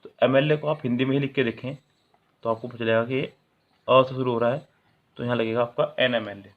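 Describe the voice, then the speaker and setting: A male grammar teacher talks through his lesson with a steady, middling voice. He puts questions to his students and answers them right away. The sound is thin and tinny, much like a phone line. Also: mid-range voice, fairly quick. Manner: asks the viewer questions and answers them himself; explains English in Hindi, reading example sentences aloud. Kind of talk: classroom-style video lesson.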